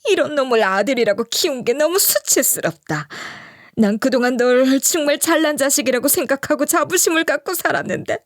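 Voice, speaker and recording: Lady doing an angry old mother-in-law scolding her son, high and lively. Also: brisk, dry recording, clean studio sound. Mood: furious. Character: furious ashamed older mother-in-law.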